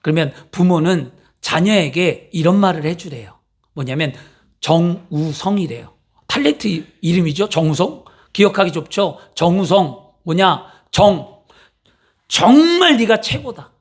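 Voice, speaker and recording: Pastor guy preaching, high voice, lively, keeps asking the room questions. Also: measured pace. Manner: animated, acts out quotes, asks rhetorical questions. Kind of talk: sermon.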